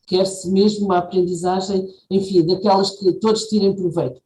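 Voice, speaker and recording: A woman's voice: medium pitch, fairly even intonation, normal speed, dark tone. A woman speaking as a panelist on education in a webinar, with frequent fillers and restarts. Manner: talks with many fillers and restarts. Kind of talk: webinar talk. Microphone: video call. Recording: echoey video call with faint background noise.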